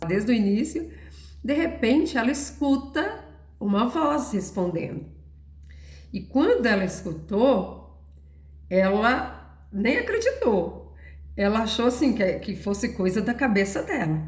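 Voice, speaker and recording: A woman giving an earnest, storytelling Christian testimony, sharing her faith in a personal talk. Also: fairly high pitch. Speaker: Christian devotional speaker. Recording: roomy echo.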